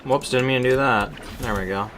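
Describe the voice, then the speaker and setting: Very low-voiced woman livestreaming a game. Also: brisk, a little hiss or hum. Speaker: game streamer. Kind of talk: casual livestream chat and game commentary.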